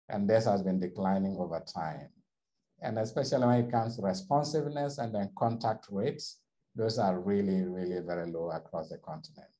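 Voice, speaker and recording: A man with a low, mellow voice walks through survey results on slides, speaking in a measured, explanatory way. He restarts phrases often as he talks over the charts on a video call. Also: rough recording. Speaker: survey researcher presenting findings. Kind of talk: presenting slides on a webinar.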